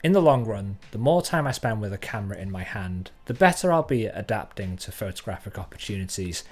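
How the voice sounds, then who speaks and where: A man's voice: fairly low pitch, animated, brisk, faint music behind. A man from North Wales, a photographer talking to his viewers in a thoughtful, conversational way. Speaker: photographer and channel host. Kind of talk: reflective talk to camera.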